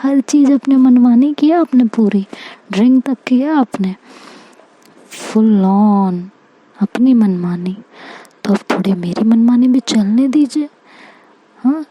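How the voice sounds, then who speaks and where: A teasing young woman lover, coaxing and playful, speaking slowly in a mellow, somewhat high voice, as a woman storyteller puts her on. Her lines drop to half-whispers. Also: muffled recording.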